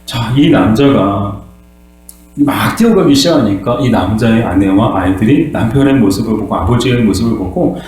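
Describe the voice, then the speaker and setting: A man's voice: on the low side, expressive, normal speed, darkish tone. Man preaching in a very echoey church. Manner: asks the congregation questions and answers them himself; acts out voices and cries dramatically. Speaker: pastor. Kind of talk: sermon. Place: church sanctuary. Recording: very echoey room with mains hum.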